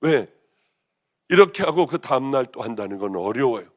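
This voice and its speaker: A woman pastor with a hoarse voice, preaching a sermon with passion, rising to loud exclamations and then dropping to hushed, almost whispered lines. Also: very deep voice, lively intonation, moderate pace. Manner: impassioned, swinging between raised exclamations and hushed near-whispers.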